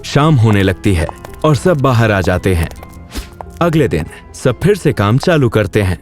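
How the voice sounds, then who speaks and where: A man with a fairly low voice narrates a scripted children's ghost story. He speaks as a storyteller, with music playing behind him. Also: big pitch swings, measured pace.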